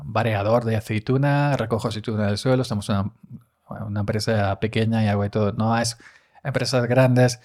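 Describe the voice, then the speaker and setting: A man's voice: lowish voice, darkish tone. A man hosting a casual monologue podcast, talking in a rambling, chatty way and often correcting himself. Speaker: podcast host and olive farm worker. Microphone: studio microphone.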